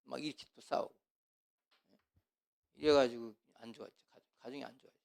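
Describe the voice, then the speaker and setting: A middle-aged man teaching as a pastor in a casual, chatty way, with asides, and acting out quarrels in a loud voice. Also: medium pitch, steady tone, fairly quick, vocal fry. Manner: chatty, asides and laughs, acts out quarrels loudly. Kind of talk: casual church teaching talk.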